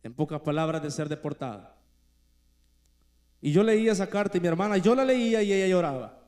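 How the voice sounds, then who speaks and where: Earnest preacher man, mellow voice. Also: sits high, lively intonation. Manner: earnest preaching with slow emphatic phrases that drop quiet. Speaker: church elder preaching. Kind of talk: sermon. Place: church.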